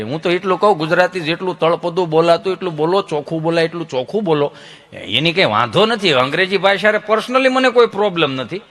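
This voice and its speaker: A man with a Kathiawadi Gujarati accent, a folk comedian telling funny stories on stage, joking and animated as he imitates the people he quotes. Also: a little high. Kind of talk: stage storytelling at a dayro.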